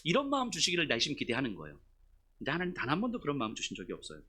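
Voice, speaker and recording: A male pastor preaching a heartfelt, confessional sermon. His voice is bright and somewhat high, with a hugely lively, swooping pitch. He swings from quiet asides to sudden loud bursts. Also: rapid-fire, husky. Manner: emotional, confessional storytelling; shifts between soft asides and loud outbursts.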